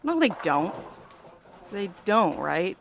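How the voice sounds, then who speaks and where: A woman's voice: medium pitch, very animated, takes it slowly, gravelly, a little hiss or hum, exaggerated voice. A woman playing a blunt, sarcastic, distrustful young investigator in an audio drama, with a sardonic delivery. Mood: wry. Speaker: actor in a fiction podcast.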